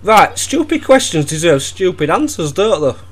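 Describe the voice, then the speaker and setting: A man's voice: sits high, moderate pace. A young man from Wales trolling an opponent over game voice chat in a mock-innocent, sarcastic way. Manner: teasing, deadpan, mock-innocent. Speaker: gaming video creator trolling an opponent.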